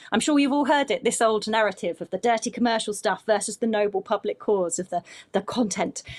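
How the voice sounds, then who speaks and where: A woman with a British accent, fairly high in pitch, at a very fast pace with ordinary pitch variation, dry and close with no echo. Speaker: podcast producer and business director. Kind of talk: talk presentation with slides.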